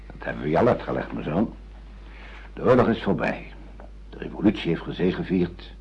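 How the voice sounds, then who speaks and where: A man's voice: low-pitched, very animated, fairly quick, slightly rough, heavily acted. An actor playing a stern, patient old father who questions and lectures insistently in a radio drama. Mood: lecturing. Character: stern, patient old father re-educating his grown son. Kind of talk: Dutch radio drama acting. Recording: dull, muffled radio play recording.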